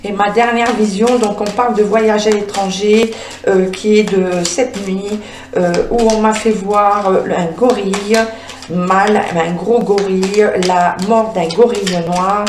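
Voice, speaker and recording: A woman working as a medium, reading oracle cards aloud in a halting way, with frequent filler sounds, and speaking to the cards as if they could answer. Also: medium pitch, steady tone, echoey room, noisy background. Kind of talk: spoken card reading with visions.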